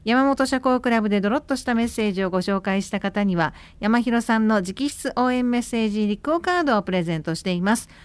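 A woman's voice: fairly high pitch, fast talker, few pauses, clean tone, no echo. A woman co-hosting a radio show as an announcer, moving between chat and announcements. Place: radio studio.

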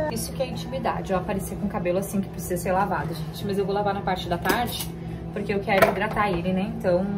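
A woman's voice: medium pitch, heavy background noise. A woman with a Brazilian Portuguese accent, chatting casually to viewers as she does housework at home. She often breaks into fond baby talk with her daughter. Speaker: homemaker vlogger. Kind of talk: casual chat to viewers while doing chores. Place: at home, indoors.

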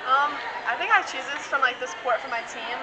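A teenage girl basketball player answering postgame questions in a shy, halting way. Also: high voice. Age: teens. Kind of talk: postgame interview. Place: school gym. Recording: loud crowd noise in gym.

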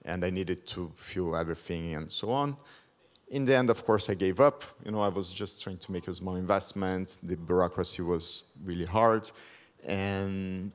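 With a deep voice, a man in his thirties from Brazil presents at a conference, speaking into the podium microphone in a large hall. English is his second language after Portuguese, and he delivers it in a measured, careful way with a Brazilian accent and many ums.

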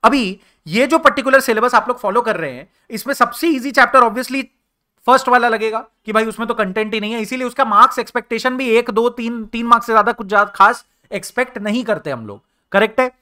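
A man's voice: extremely high pitch, fast, bright, forceful tone. A young adult man with an Indian accent giving an exam revision lecture, chatty and switching freely between Hindi and English. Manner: chatty, mixes Hindi and English, calls listeners brother. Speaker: teacher.

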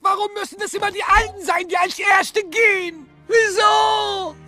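A man's voice: very high voice, fairly even intonation, normal speed, gravelly, shouting, over music. An actor playing a clumsy, silly male sloth in an audio drama, whiny and over the top. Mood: wailing.

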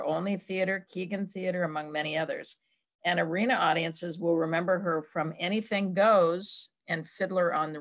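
An older woman hosting a casual interview over a video call from her home, speaking in an effusive, praising manner. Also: deep voice. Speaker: host. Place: home room with bookshelves.

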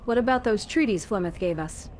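A woman voicing a calm young elf warrior, the hero of a fantasy game, in a plain, questioning manner. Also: medium pitch, a little fast, slight background noise, natural voice. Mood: composed. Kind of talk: amateur voiced game protagonist. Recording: home microphone over game ambience.

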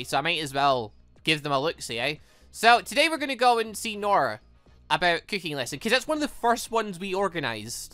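A man hosts a casual playthrough of a visual novel, chatting in a rambling way about what comes next and reading the on-screen text aloud. His voice is bright and his pitch swings widely. The sound is dry and close, with faint game music underneath. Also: smooth, no room sound. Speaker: let's-play host. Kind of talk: casual gameplay commentary.

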